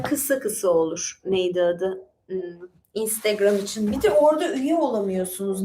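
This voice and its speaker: Woman rambling on a casual livestream, bit high voice, echoey room. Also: darkish tone, a little hiss or hum. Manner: chatty, rambling, many fillers and asides. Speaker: livestream host.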